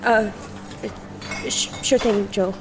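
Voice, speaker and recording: An actress playing a timid, flustered small-town woman in an audio drama, halting and stammering. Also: mid-range voice, steady tone, music in the background, close to an everyday voice. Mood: startled, uneasy.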